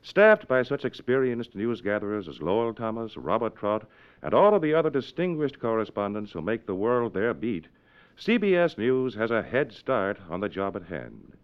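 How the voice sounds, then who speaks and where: Lively 1950s American radio announcer, male. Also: lowish voice, normal speed, clear, resonant tone. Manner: formal, polished delivery. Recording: dull, lo-fi 1950s radio recording.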